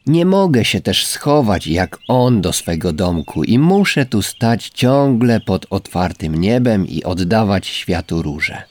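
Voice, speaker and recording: A man voicing a gentle, humble female rose in a storybook reading, speaking softly and tenderly, in a voice raised well above his own. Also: fairly low pitch. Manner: soft, wondering, tender. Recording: faint background music.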